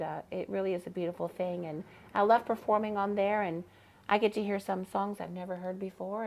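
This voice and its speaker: A trans woman drag queen chatting expressively as a podcast guest, her voice turning nasal when she gets excited. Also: medium pitch, creaky. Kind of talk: casual podcast conversation.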